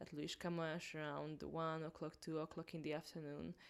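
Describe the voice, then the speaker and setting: On a very clean recording with a silent background, a woman speaks with a Hungarian accent at a fairly low pitch. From Hungary. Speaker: singer and vocal coach. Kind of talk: casual interview.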